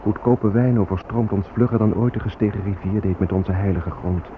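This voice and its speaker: A man's voice: on the low side, fairly even intonation, fairly quick, close to an everyday voice. A man in a radio drama playing a proud, bitter Native American with solemn, declamatory delivery. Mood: elegiac. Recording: noisy narrowband old radio recording.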